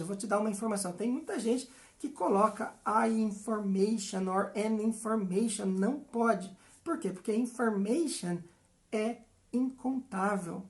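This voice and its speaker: A woman with a Brazilian Portuguese accent, an English teacher explaining grammar patiently and repeating example sentences slowly. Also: mid-range voice, darkish tone. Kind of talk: explanatory language lesson.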